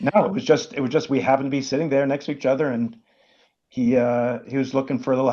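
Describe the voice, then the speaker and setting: Against a quiet background, a man with an American accent talks at a very fast pace and a medium pitch. His tone is dark and mellow, with ordinary pitch variation. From Vermont, US. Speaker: psychiatrist. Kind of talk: interview storytelling. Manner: animated, conversational.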